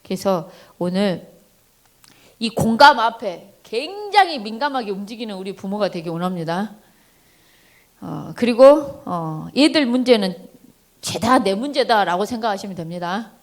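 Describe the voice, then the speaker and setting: A woman giving a sermon-style talk on parenting to a church congregation, animated, acting out voices and addressing listeners directly. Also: mid-range voice, a little slow. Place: church service.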